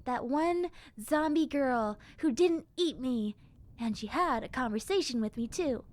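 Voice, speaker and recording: A woman's voice: high voice, animated, measured pace, a little mellow. A woman voicing a friendly, lonely young zombie girl in an audio roleplay, chatting casually and girlishly straight to the listener. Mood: wistful, friendly.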